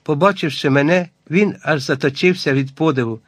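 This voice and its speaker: A man reading a first-person adventure novel aloud as scripted audiobook narration, measured and even. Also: a little high, no echo, clean studio sound.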